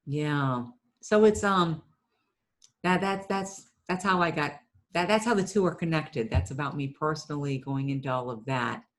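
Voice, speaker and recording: A middle-aged woman from Ohio who owns a marketing business speaks in a low voice at a moderate pace. She's a guest in an interview, telling stories in a chatty, conversational way, and she often repeats a word as she restarts a thought.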